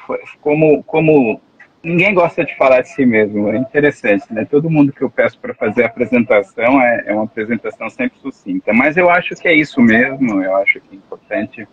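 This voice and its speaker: A man's voice: lowish voice, breathy edge, lo-fi sound. A man hosting a political live stream interview, talking earnestly and often hesitant, with restarts. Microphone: live stream call.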